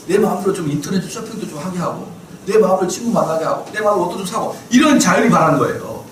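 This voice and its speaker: In an echoey church lecture hall, a middle-aged male pastor with a high-pitched voice leads a Bible class. He's animated, acting out the figures he mentions and throwing rhetorical questions at his listeners. The distant, off-mic recording carries a faint hiss.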